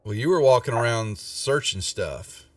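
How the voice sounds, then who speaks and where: A man narrating a casual tabletop game as game master, halting and often restarting his phrases. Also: mid-range voice, animated, dry recording. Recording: distant mic with music behind. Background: background music.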